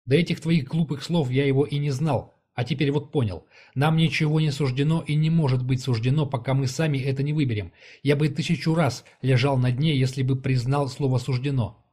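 A man narrating a fantasy novel as an audiobook, in an even, measured reading style. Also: mid-range voice.

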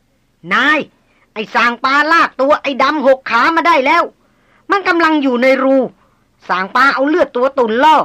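A woman voicing a rough male jungle porter who shouts news excitedly. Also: high-pitched, drawn-out words, pauses often, pitched above the performer's own voice, exaggerated voice. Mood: excited shouting.

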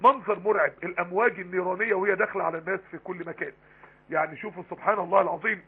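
A man with an Egyptian Arabic accent giving a live online Quran lesson, talking rapidly and emphatically with many rhetorical questions. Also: high voice, steady tone, breathy edge. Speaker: Quran teacher. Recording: tinny phone-line broadcast.

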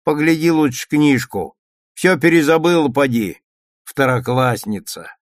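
A man's voice: fairly high pitch, no room sound, studio quality, voice pushed up, lightly acted. A man putting on a fussy old grandmother. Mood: grumbling. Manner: grumbling, fretful, quick to scold.

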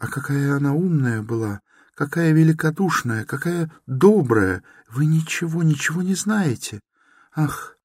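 A man voicing a timid, meek young woman who pleads softly and grows breathless in distress. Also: medium pitch, slow pace, husky, no echo, clean studio sound, pitched above the performer's own voice.

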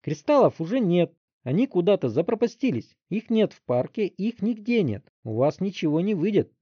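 A man's voice: mid-range voice, lively intonation, brisk, no echo, natural voice. A man voicing a sarcastic, brash thirteen-year-old boy in an audiobook story, on a dry, slightly dull recording. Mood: panicked. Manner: sarcastic, brash, yelling taunts. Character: cocky 13-year-old boy with a smart mouth.

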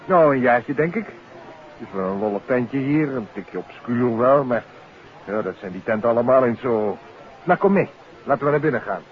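A man's voice: medium pitch, animated, normal speed, close to an everyday voice. An actor playing an affable but evasive man-about-town in a 1950s Dutch radio play, chatty and breezy. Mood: jovial. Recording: muffled old radio recording, music behind.

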